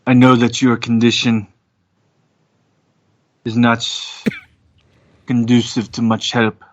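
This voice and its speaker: A man playing a solemn, formal warrior from a bygone era in a tabletop game, speaking deliberately with many pauses. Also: mid-range voice, little pitch movement, highs cut off, lightly acted. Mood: solemn, measured. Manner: deliberate, formal, pausing often. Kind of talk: tabletop roleplay.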